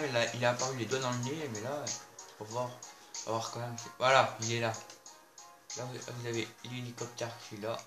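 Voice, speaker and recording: A man's voice: medium pitch, a bit bright. Guy chatting thru a game video, lots of "d'accord?", roomy sound. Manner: chatty, many fillers and "d'accord?" asides. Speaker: gameplay video host. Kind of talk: casual game commentary.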